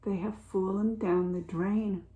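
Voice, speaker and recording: A woman teacher reading a picture book aloud to children, with expressive, deliberate storytelling and dramatic pauses. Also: mid-range voice.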